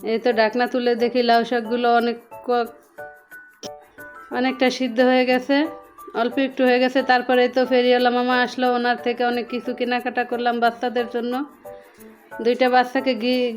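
A woman with a Bangladeshi accent giving a casual voice-over for a home vlog. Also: on the high side. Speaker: home vlogger. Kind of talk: casual voice-over narration of a daily cooking vlog. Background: background music.

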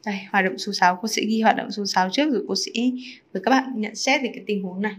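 A woman teacher explaining fractions in an online lesson, chatty and often checking in with her students through quick rhetorical questions. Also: mid-range voice. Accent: Vietnamese. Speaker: math teacher.

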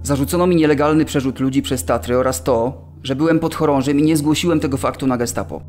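Man acting imprisoned officer cadet, medium-pitched voice, audio drama testimony, faint music. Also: quick pace, a little mellow, natural voice. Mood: grave recounting. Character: Polish male officer cadet, political prisoner recounting arrest.

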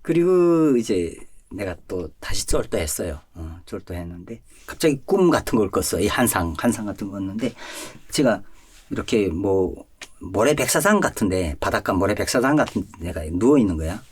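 A man, a pastor, telling his personal testimony in an animated storytelling way, chuckling often and swinging between loud and soft. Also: lowish voice, moderate pace, slightly rough. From North Korea.

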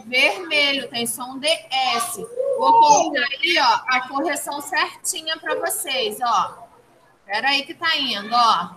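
A woman teaching young children in an online phonics lesson, slow and patient, repeating each answer back. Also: sits high. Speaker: primary school teacher. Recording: clear background noise.

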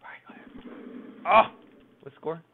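A man swearing and complaining excitably while losing a casual one-on-one video game match. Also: a little slow. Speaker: gamer, boyfriend. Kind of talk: casual gaming banter. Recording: tinny phone-like sound.

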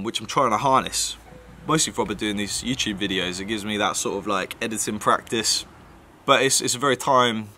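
A man's voice: lowish voice, bright, forceful tone. A man with a nasal voice, chatting casually to camera in a rambling vlog with plenty of fillers. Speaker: vlogger.

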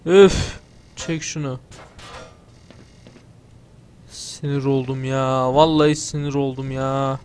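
A man's voice: medium pitch, fairly even intonation, measured pace, darkish tone, smooth. A young man giving casual let's-play commentary, joking, swearing and talking back to the game's characters. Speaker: gamer playing through a video game.

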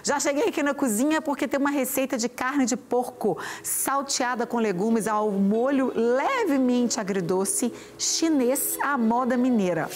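A woman's voice: a little high, unhurried, hardly any pauses. A woman, hosting a TV show with an effusive, chatty manner toward viewers, on a lapel mic in a studio. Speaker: TV host. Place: bright TV studio set, indoors.

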